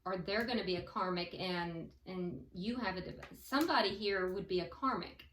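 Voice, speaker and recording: A woman giving a tarot reading like a fortune teller, thinking aloud haltingly and advising the listener directly. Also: fairly low pitch, a bit bright, a little hiss or hum. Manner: hesitant, thinking aloud as cards are read. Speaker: tarot reader. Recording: roomy echo, distant from the mic.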